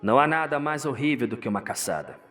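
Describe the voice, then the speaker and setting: A man's voice: mid-range voice, sing-song, fast, a bit bright, distant mic, faint music behind, pitched above the performer's own voice. A man voicing a weary old hunter, solemn and cryptic, in an audio drama. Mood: grave, foreboding.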